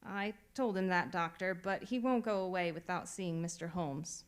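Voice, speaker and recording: A woman's voice: on the low side, moderate pace, smooth, lightly acted. Woman playing crabby, blunt village landlady. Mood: matter-of-fact. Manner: blunt, grumbling, gossipy. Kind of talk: radio theatre acting.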